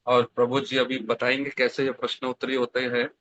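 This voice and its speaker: A gracious man hosts an online devotional session, thanking the speaker and announcing what comes next in a polite way. His pitch is an ordinary middle. The call audio is dry and a little dull. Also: little pitch movement, a little fast, a bit bright, no room sound. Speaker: session host. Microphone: online video call.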